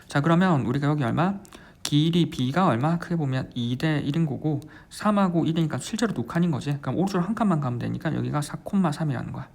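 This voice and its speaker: A man working through a math exam problem step by step as a tutor, repeating his phrases and constantly asking quick check questions. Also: on the high side, animated, vocal fry, a little mellow. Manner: keeps asking quick check questions like "right?" and "how much?"; repeats phrases while writing. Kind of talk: exam solution walkthrough lecture.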